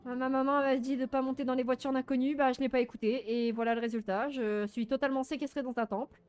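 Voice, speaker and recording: High-voiced, playful woman game streamer. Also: fast talker, smooth. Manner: playful, teasing, self-mocking boasting; animated, frequent laughing and exclaiming. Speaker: live streamer playing a video game. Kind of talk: casual live gaming commentary. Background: game music.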